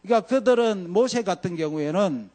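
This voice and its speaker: A man preaching a sermon as pastor, swinging from loud peaks to hushed lows and acting out scripture quotes. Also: animated, brisk. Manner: acts out scripture quotes in dramatic voices.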